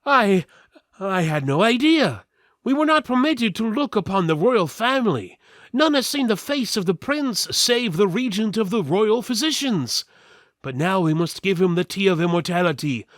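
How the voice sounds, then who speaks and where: Man putting on a high, fretful royal steward. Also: lively intonation, normal speed, a bit bright, no room sound, clean studio sound. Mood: flustered, alarmed. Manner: high-pitched, fretful, dramatic. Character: anxious, servile royal steward with dark warnings.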